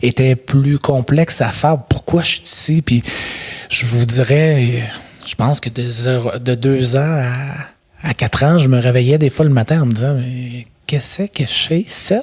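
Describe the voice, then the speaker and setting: A man's voice: medium pitch, steady tone, unhurried, a little mellow, slightly rough. A man in his thirties with a Québécois French accent, telling his personal story as an interview guest in a reflective way, with frequent hesitations. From Quebec. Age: 30s.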